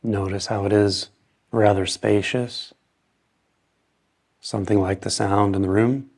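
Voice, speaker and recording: Male meditation guide, low and steady with little pitch movement, calm short phrases and long pauses.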